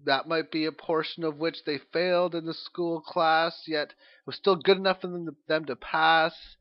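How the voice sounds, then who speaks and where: Higher-voiced man, dull lo-fi recording. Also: fairly even intonation, normal speed. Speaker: host of an economics audio log. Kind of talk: informal spoken monologue, opinion commentary. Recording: dull, low-quality lo-fi audio log.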